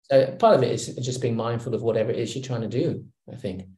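A middle-aged man from Hong Kong, a guest on a video call interview, speaking in a relaxed, reflective way with many fillers and restarts. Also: mid-range voice, fast talker. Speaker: guest executive. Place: home room. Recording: roomy video call audio.

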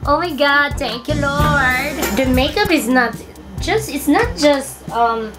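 Husky Filipino woman doing comedic makeup vlog. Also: animated, measured pace, over music. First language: Tagalog. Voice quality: deep and husky. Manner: playful, bursts into song and laughter. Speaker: makeup vlogger. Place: bedroom, indoors.

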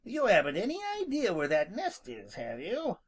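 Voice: mid-range voice, wildly swooping pitch, normal speed, slightly rough, pitched above the performer's own voice. A narrator doing a sly, teasing skunk. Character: sly, grinning male skunk, good-natured.

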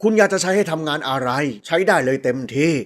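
A woman narrator puts on an earnest middle-aged father from a storybook. The voice drops low, courteous and placating, as he pleads in embarrassment. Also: expressive, fast talker. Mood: pleading, placating.

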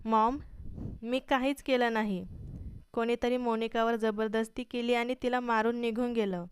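A frightened young man begs for help, his voice thick with tears, as a woman reads him out. The tone is smooth and very clear and sits a little high. The sound is close and dry. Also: little pitch movement, moderate pace, dry recording, close to an everyday voice. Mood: pleading, tearful. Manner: pleading, crying.

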